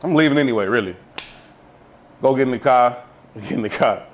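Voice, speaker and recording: A man co-hosting a podcast, telling a profane, animated story from his youth with voiced quotes in casual chat. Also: medium pitch, a little fast, highs cut off. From Chicago South Side. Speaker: podcast co-host.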